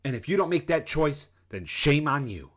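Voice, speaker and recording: A man's voice: a little high, sing-song, normal speed, a bit bright. A middle-aged man and life coach giving an intense, preachy motivational rant straight to the viewer, worked up and sweating. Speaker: life coach and channel host.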